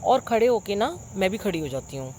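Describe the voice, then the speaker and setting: A middle-aged woman telling a congregation about a dream. She sounds full of wonder and earnest, with lots of pauses and fillers, recorded on a phone propped nearby. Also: mid-range voice, big pitch swings, darkish tone, slight background noise. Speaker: devotee sharing a dream with a congregation. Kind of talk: devotional storytelling.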